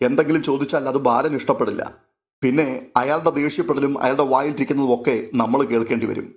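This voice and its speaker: A man's voice: mid-range voice, fairly even intonation, fast, natural voice. A man voicing village neighbor women who gossip and speculate.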